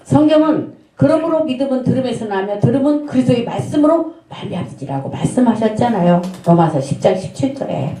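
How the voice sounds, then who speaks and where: A woman's voice: fairly high pitch, lively intonation, fairly quick, few pauses, dark tone. A middle-aged woman pastor delivering an earnest sermon, telling a story and asking rhetorical questions. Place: church sanctuary. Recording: echoey church room.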